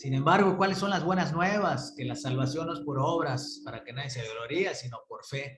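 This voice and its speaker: A man with fairly high pitch, ordinary pitch variation and a moderate pace, hardly any pauses and big swings in loudness. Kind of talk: sermon. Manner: soft-spoken.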